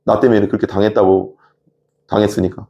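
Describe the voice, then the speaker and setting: A male pastor giving a sermon in a relaxed, conversational manner, explaining each point and asking rhetorical questions. His voice sits low, with a gravelly rasp and a dark, mellow tone. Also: a little fast, muffled recording.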